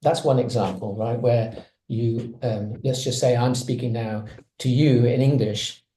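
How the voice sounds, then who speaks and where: A man's voice: medium pitch, fairly even intonation, unhurried, warm tone, reverberant, a little hiss or hum, low-quality recording. A man speaking on a webinar panel, explaining ideas conversationally with examples over a video call.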